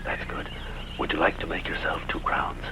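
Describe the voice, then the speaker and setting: A man's voice: moderate pace, background noise, natural voice. A man dubbing a bold, lovestruck young gypsy in a costume film, with a teasing, theatrical manner. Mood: conspiratorial. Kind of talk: dubbed costume-film acting.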